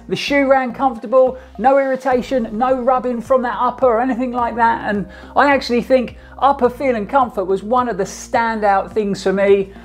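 A middle-aged man giving an energetic, chatty running shoe review to camera from a small home studio. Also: very high-pitched. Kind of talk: upbeat gear review to camera.

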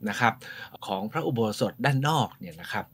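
A man hosting a tour, telling stories in a lively, polite, informal way outdoors. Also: lowish voice, fairly quick, slightly rough. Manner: lively storyteller, polite, often adds polite particles. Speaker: host and tour guide. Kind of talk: informal guided-tour storytelling. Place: outdoors at a temple.

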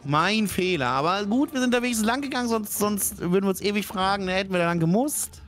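A man's voice: high voice, expressive, quick pace, a bit bright, a little hiss or hum. A man from northern Germany giving casual, colloquial gaming commentary as a teasing backseat co-host, often repeating himself. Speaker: co-host of a gaming let's play, backseat advisor.

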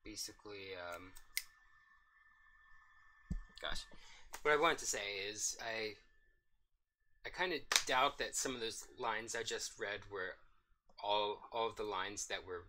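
Hoarse man chatting while streaming a game. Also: on the low side, a little slow, noisy background. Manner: rambling, thinking aloud with fillers. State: hoarse, coughing. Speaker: streamer reading a visual novel aloud. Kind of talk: casual let's-play commentary.

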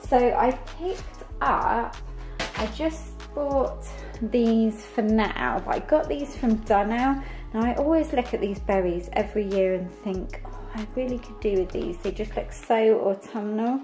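A woman's voice: on the high side, a little slow, a little mellow, faint music behind, rough recording. A young British woman vlogging from her living room, chatting casually and upbeat about home decor. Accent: British English. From United Kingdom. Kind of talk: casual home vlog chat.

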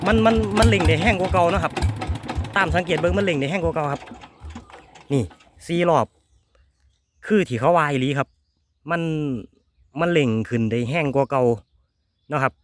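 A man with an Isan accent hosting a casual hands-on demo, talking excitedly and repeating his words as he tests an engine. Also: a little high, normal speed, pauses often. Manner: excited, repeats words, exclaims over results. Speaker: video host.

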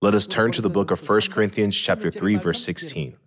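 Deep-voiced man preaching from a pulpit. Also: fairly bright tone. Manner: measured, asks rhetorical questions and answers them. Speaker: pastor. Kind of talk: sermon. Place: large church hall, at a pulpit. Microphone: podium microphones.

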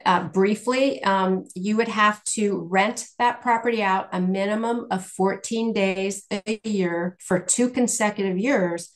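A woman's voice: medium pitch, measured pace, hardly any pauses. Woman explaining rules as guest speaker. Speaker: guest speaker, tax exchange specialist. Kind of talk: explanatory question-and-answer presentation.

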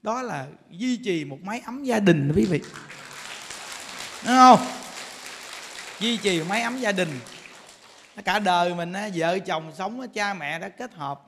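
Monk preaching; very high, bright voice; joking storyteller; long hall reverb. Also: male voice, expressive, unhurried, long pauses, a little hiss or hum. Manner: humorous storytelling, laughs while talking. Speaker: Buddhist monk giving a Dharma talk. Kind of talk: sermon. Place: temple lecture hall.

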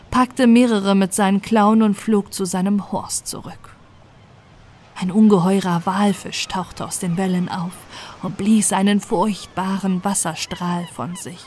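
A woman's voice: mid-range voice, darkish tone, slight background noise. A woman narrating a scripted fairy tale as a bedtime audiobook.

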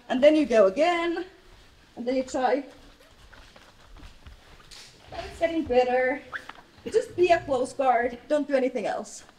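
High, unhurried Finnish woman teaching. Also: low-quality recording. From Finland. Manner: loud voice, plain halting instruction. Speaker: jiu-jitsu instructor. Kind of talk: live technique demonstration. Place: large bright mat hall with windows.

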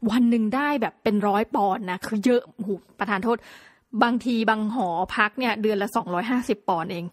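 A woman hosting a podcast, telling chatty and playful stories with lively exclamations. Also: medium pitch, fast, no room sound, clean studio sound. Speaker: podcast host. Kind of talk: casual solo podcast talk.

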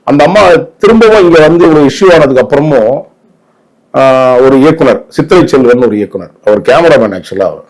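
A man's voice: medium pitch, darkish tone, low-quality recording. A man with a Tamil Nadu accent giving opinionated interview commentary in an emphatic, indignant way, often posing rhetorical questions.

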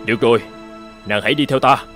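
A man playing a proud young tribal warrior posing as a god in an animated folktale, commanding and protective. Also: mid-range voice, fast talker, faint music behind, close to an everyday voice. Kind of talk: dubbed animated folktale acting.

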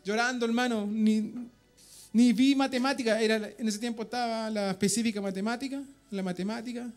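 A man's voice: extremely high pitch, steady tone, a little fast, faint music behind. A man with a Chilean accent giving a fervent testimony to a church congregation, often calling out to his brothers in faith. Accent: Chilean Spanish. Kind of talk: emotional spoken testimony in church. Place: church meeting room.

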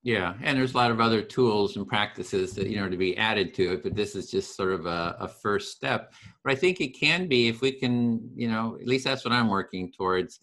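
A man hosting a casual video call discussion, talking earnestly and enthusiastically with halting restarts. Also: fairly low pitch, lively intonation, a bit bright. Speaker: host of empathy circle series.

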